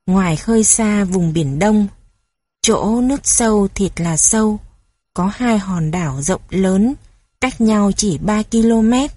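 A woman reading children's stories aloud in a gentle, even storytelling manner. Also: mid-range voice, slow pace, breathy edge, no echo.

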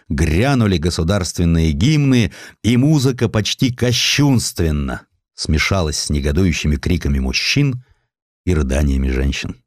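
A man narrating historical stories as a scripted audiobook, theatrically, with deliberate pauses. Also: sits low, no room sound, studio quality.

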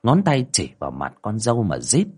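A man narrating a ghost story in a dramatic, expressive way. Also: fairly low pitch, moderate pace, slightly rough. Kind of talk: scripted horror story narration.

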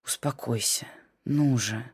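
A woman reading as a calm, stubborn middle-aged husband who speaks in a steady, tired and curt manner. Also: rumbling low, normal speed, no echo. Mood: soothing.

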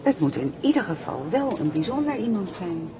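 An actress playing an astonished, opinionated concertgoer in a radio play. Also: female voice, medium pitch, very animated, normal speed, natural voice. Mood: curious. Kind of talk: Dutch radio drama acting. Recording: clearly noisy, with ambience.

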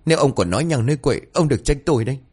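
A man voicing a suspicious old village woman who scolds and threatens loudly. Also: medium pitch, animated, very fast, husky, voice pushed up. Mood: scolding.

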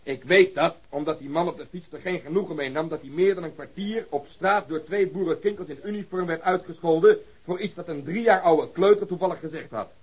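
A man's voice: a little high, a little fast, few pauses, slightly rough, highs cut off. An actor playing a sarcastic, hot-tempered male police superior in a radio drama, questioning people with biting, coarse language. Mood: furious. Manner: sardonic interrogation, swearing. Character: sarcastic, irate male police detective, middle-aged superior.

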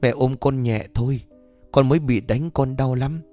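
A man's voice: mid-range voice, moderate pace, warm tone, soft background music, natural voice. Man voicing a pained stranger claiming to be a fallen soldier. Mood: pleading. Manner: pleading, pained.

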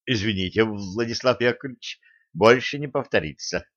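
A man's voice: lowish voice, normal speed, a bit bright, no room sound. A sheepish young martial arts student speaks in a subdued, mumbling way, voiced by a male reader. The recording is dry and a bit dull.

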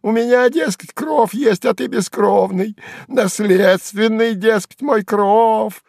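A man voicing a shrill, mocking old hanger-on who chatters and cackles in a squeaky, sing-song voice. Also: slow, gravelly, a little mellow, no echo, clean studio sound, exaggerated voice. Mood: jeering. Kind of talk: audiobook character voice.

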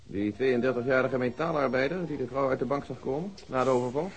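An actor playing a precise, matter-of-fact male detective with a sharp memory in a radio drama. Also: mid-range voice, fast, a little hiss or hum, lightly acted. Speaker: police detective. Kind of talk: 1970s radio drama acting.

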